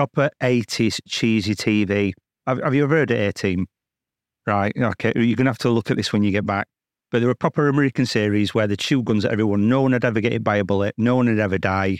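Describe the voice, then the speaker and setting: Over a quiet background with a dry, close sound with no echo, a man with a Yorkshire accent speaks at a very fast pace in a fairly low pitch and very even loudness. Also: ordinary pitch variation. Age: 40s. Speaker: former traffic police officer. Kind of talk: casual chat.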